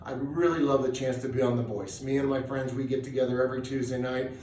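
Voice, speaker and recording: A middle-aged man speaks at a medium pitch in a folksy, conversational manner, as if introducing himself on a homemade video. The recording is roomy and distant, with faint background noise. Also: fairly even intonation, fast talker, darkish tone. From southeast New Mexico, United States. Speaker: singer and charity auctioneer. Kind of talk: personal video introduction, casual monologue. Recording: roomy, distant mic with hiss.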